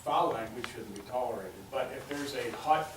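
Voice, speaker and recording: A man on a council who talks his view through in a measured way, pausing as he reasons. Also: mid-range voice. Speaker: council member. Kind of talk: meeting discussion. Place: council chamber. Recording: very echoey chamber audio from far off with clear hiss.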